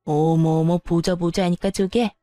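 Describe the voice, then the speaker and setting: A woman's voice: lowish voice, fairly even intonation, moderate pace, warm tone, dry recording, studio quality, soft background music, pitched below the performer's own voice, close to an everyday voice. A woman voicing a meddling, self-pitying older mother-in-law who whines and scolds. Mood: scolding. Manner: whining and scolding.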